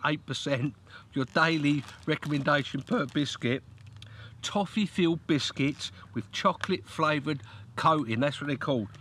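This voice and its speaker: A man's voice: fairly high pitch, sharp tone, a little hiss or hum. Middle-aged male vlogger, casual and chatty, close camera mic, faint outdoor ambience. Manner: chatty, repeats "look" often, coos at his dog. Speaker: fishing vlogger. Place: beside a lake, outdoors by a tent. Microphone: handheld camera close to face.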